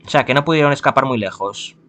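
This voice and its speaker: A man's voice: mid-range voice, fast talker, sharp tone, close to an everyday voice. A man voicing a dutiful samurai messenger, giving a formal report.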